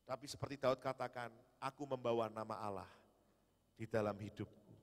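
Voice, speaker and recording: A man's voice: mid-range voice, fairly even intonation, moderate pace. A man preaching a sermon, calling out to the congregation in a rousing way. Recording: echoey hall.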